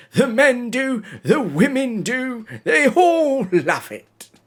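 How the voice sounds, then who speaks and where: Using a put-on character voice, a man pitches himself extremely high. His delivery is very slow. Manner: playful, gruff.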